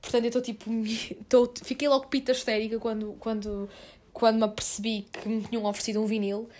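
A woman's voice: fairly high pitch, level tone, fast talker, darkish tone. A woman aged twenty, chatting casually and informally as a solo podcast host, with youthful slang.

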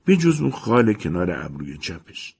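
A man voicing a shrewd, matter-of-fact middle-aged landlady in an audiobook story, speaking in a brisk, businesslike way. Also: deep voice, big pitch swings, vocal fry, darkish tone, husky, exaggerated voice. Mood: smug.

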